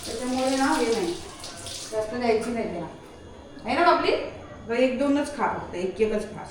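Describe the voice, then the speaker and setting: Home vlogger, woman, high voice, chatty and bossy with her pet, recorded from across a boomy kitchen. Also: normal speed. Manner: alternately coaxing and scolding her dog in a lively, chatty way. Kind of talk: casual home vlog talking to her dog. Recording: very echoey room, voice from a distance, faint noise.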